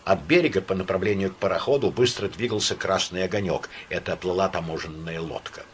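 A man narrating a classic novella as an audiobook reader, expressive and measured. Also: sits low, a little hiss or hum. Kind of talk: literary narration.

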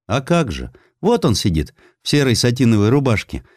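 A male narrator acts out a distraught peasant woman on the witness stand in an audio drama. The pitch sits well above his own, the speech plain and full of feeling, in a dry, close recording. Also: wildly swooping pitch, normal speed, a little mellow, no room sound. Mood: agitated. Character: distraught village woman testifying about atrocities.

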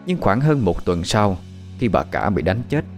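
A man's voice: deep voice, sing-song, normal speed, a little mellow, faint music behind. A man narrating a horror audio story in a dramatic storytelling manner.

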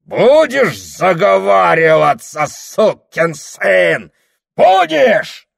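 A man voicing a huge, drunken, furious deacon who bellows long, drawn-out threats. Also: fairly low pitch, animated, fairly bright tone. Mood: bellowing.

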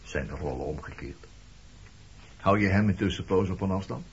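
A man acting in a radio play as an evasive, detached former lover, talking in a dry, offhand, probing and faintly mocking way with a husky, rough-edged voice. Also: low voice, normal speed, slight background noise. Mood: mocking, defensive. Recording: dull lo-fi old radio recording.

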